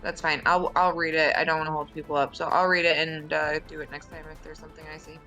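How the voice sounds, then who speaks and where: Bright-voiced woman, tentative tabletop gamer. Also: low-pitched, flat delivery, fast talker, faint music behind. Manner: tentative, questioning. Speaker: player in a tabletop game. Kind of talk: casual game chat.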